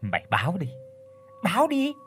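A man's voice: high voice, wildly swooping pitch, normal speed, a bit bright, soft background music, voice pushed up, full character voice. A man voicing a scheming older woman who runs a brothel, cold and mocking in an audiobook. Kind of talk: audiobook character voice.

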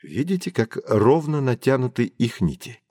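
Patient professor, lecturing tone, varied pitch, dry recording. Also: male voice, moderate pace, no echo. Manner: calm, lecturing explanations. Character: patient explaining male professor. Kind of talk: children's audio drama.

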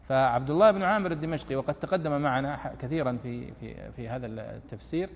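A man's voice: medium pitch, fast talker, vocal fry, in a large hall. A middle-aged man giving a lesson on Quranic exegesis, explaining patiently and often checking that his listeners follow. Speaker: teacher. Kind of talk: classroom commentary on Quranic exegesis.

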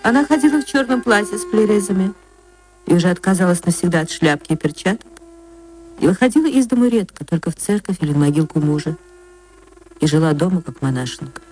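A woman narrating a classic story for radio in a measured, expressive way, on an archival recording. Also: lowish voice, slight background noise, poor audio. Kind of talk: literary reading for radio.

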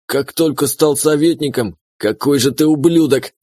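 A man's voice: fairly high pitch, normal speed, darkish tone, no room sound, close to an everyday voice. A man voicing a treacherous army commander who barks orders and sneers smugly. The voice stays close to the reader's own, dry and direct. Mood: commanding. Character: treacherous male army commander, gruff and smug.

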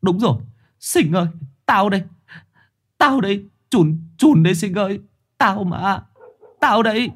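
A man's voice: sits high, expressive, measured pace, long pauses, slightly rough, voice pushed up, exaggerated voice. A man voicing a young man trapped in a dog's body, pleading and growling. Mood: desperate pleading. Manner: desperate, pleading.

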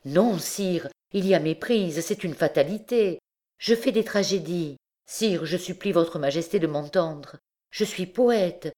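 A woman's voice: on the low side, unhurried, mellow, natural voice. A woman reading the part of an anxious vagabond poet who pleads his innocence before a king, in an audiobook. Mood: pleading.

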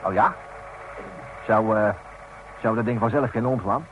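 A man plays an uneasy workman in a radio play. He speaks low and haltingly, tripping over questions. The old recording is muffled and a little noisy. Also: natural voice. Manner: halting, stammering. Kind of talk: Dutch radio drama acting.

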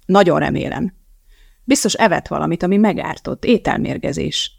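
A reader voicing a sharp, determined young female chemist who speaks briskly and emphatically. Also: medium pitch, gravelly, dry recording, studio quality. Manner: brisk and emphatic, calling out loudly.

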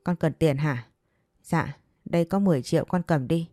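A woman voicing a gentle, caring middle-aged father who speaks calmly. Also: mid-range voice, moderate pace, dry recording, studio quality, close to an everyday voice.

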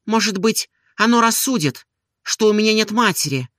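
A woman's voice: mid-range voice, lively intonation, moderate pace, a bit bright, dry recording, clean studio sound, voice pushed up, close to an everyday voice. A reader voicing an ashamed young woman in love, speaking in an emotional, pleading way. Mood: anguished pleading.

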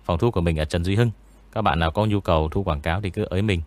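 A man with a very low, eerie voice talks casually in an interview. His delivery is relaxed and rambling, with frequent pauses. The recording is dry and close, with almost no room sound. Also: no room sound. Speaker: ghost story narrator and studio owner.

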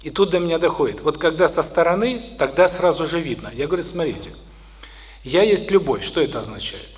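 A middle-aged man giving a spoken lecture to an audience, unhurried, with many pauses and restarts. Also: a little high, lively intonation.

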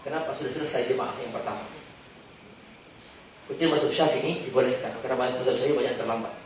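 A male preacher giving a sermon full of stories, animated and swinging between hushed and emphatic. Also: mid-range voice, fast, slight background noise. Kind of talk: sermon with storytelling. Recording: echoey hall from far off.

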